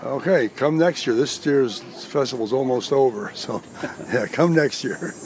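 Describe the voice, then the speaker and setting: At a fairly slow pace, a man with an American accent talks at medium pitch with ordinary pitch variation over noticeable background noise. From Chicago area, northwest Indiana. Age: 80s+. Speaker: visual artist. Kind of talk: interview.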